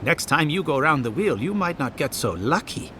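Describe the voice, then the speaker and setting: A fussy, condescending male scholar in a video game. He is pompous and sardonic, his intonation extremely animated, with faint noise behind him. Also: a little high, normal speed. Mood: eager, prying. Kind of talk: video game character dialogue.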